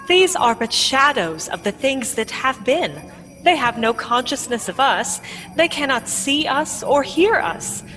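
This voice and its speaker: A woman's voice: sits high, expressive, pushed and bright, soft background music, exaggerated voice. Woman as a solemn ghost in cavernous reverb. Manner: measured, solemn, formal. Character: Ghost of Christmas Past, solemn guiding spirit. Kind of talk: dramatic radio play acting. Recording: long cavernous reverb, faint background noise.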